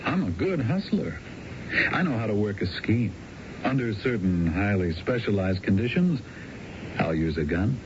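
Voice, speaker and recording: An American actor playing a brazen, smooth-talking male ex-convict hustler in a radio drama, glib and persuasive. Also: lowish voice, sing-song, normal speed. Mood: cocky. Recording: dull, noisy old radio broadcast.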